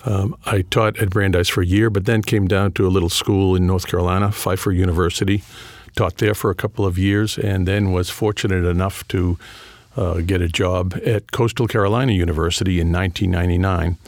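A middle-aged man with a New England accent, a history professor answering interview questions in a thoughtful, measured way with frequent fillers and restarts. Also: low voice, steady tone, no echo, studio quality. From New England, just outside Boston. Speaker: history professor and author, guest.

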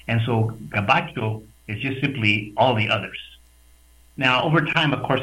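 A man from the West Texas border region, a radio guest speaking over a video call, explaining in a lively, thoughtful way with hesitant restarts. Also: fairly low pitch, low-quality recording. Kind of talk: conversational explanation.

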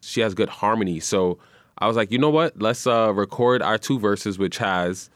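A man's voice: normal speed, dry recording. A young man, chatting easily as a guest in a radio studio. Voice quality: deep voice. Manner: relaxed, easygoing, says "man" and "you know" often. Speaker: guest musician and radio personality. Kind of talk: casual interview chat.

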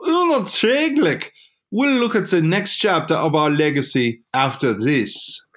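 A man's voice: fairly high pitch, expressive, measured pace, fairly bright tone. A man playing a pompous existentialist, narrating a comic retrospective in indignant academic language. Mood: pompous indignation. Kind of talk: scripted mock-retrospective narration.

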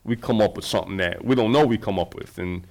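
A man's voice: lowish voice, fast talker, gravelly. A man, a documentary filmmaker, talking casually in a conversation, loose and rambling with many fillers and restarts.

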